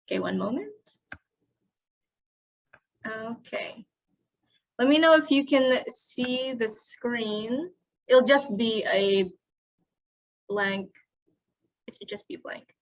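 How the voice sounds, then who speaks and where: A woman organizing an online meeting, slowly talking through the screen-sharing setup step by step. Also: on the high side. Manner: slow, step-by-step instructions. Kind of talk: casual tech setup on a call. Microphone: video call. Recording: dull lo-fi call audio.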